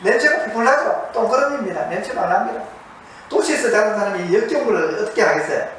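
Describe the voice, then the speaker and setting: Male monastic preacher, high voice, animated pitch, asks the audience questions, repeats key words. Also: fast talker. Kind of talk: sermon lecture to an audience. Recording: very echoey, distant mic, faint noise.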